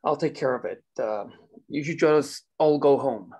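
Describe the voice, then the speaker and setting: A man voicing a gentle, steady man who calms others and comforts a friend, reading in a soft, reassuring way during a screenplay table read. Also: medium pitch, measured pace, husky, dull audio, voice pushed up. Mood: concerned.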